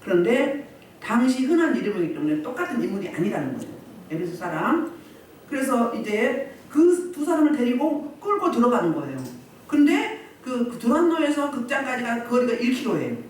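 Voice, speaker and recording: A woman pastor delivers a sermon at a healing service, her pitch swinging widely as she acts out shouting crowds. She is heard from a distance, and her voice rings around a very reverberant room with faint noise underneath. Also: normal speed. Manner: animated, acts out crowds and quotes. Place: church meeting room. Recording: echoey hall, distant mic.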